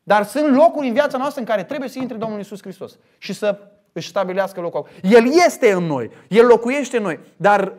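High-pitched guy preaching, gets loud then drops quiet, acts out little quotes. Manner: lively, swings between loud emphasis and quiet asides, acts out imagined speech. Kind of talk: sermon.

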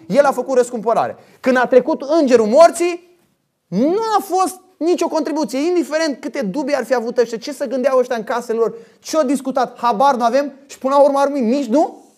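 A man preaching a sermon, emphatic and forceful, often checking in with his listeners through quick rhetorical questions. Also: very high voice.

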